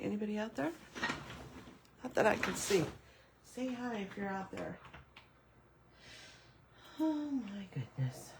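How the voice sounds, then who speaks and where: A middle-aged woman with a raspy voice, recovering from a cough, chatting casually through a live paper craft demo and apologizing for her computer trouble. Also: medium pitch, a little mellow. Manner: chatty, apologetic, thinking aloud over tech trouble. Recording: echoey room with faint noise.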